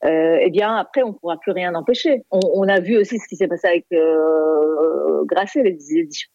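A woman's voice: lowish voice, normal speed, mellow, dry recording. A woman from Iran, a film director, answers radio interview questions hesitantly, with many fillers and restarts. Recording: dull lo-fi line.

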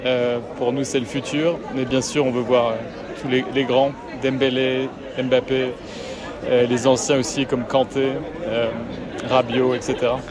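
A football fan answering a reporter's questions outdoors on a city street, in short relaxed replies. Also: male voice, mid-range voice, unhurried. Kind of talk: street interview. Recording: busy street with crowd. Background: crowd of fans.

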